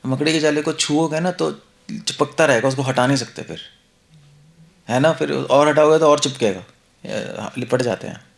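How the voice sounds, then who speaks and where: At a normal pace and in a fairly high, creaky voice, a male monk gives a conversational Hindi-English devotional lecture on scripture. He frequently addresses rhetorical questions to the people listening.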